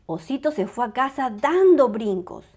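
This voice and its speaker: A woman reading a storybook aloud to young children in a bright, sing-song, welcoming manner. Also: fairly high pitch, big pitch swings, normal speed.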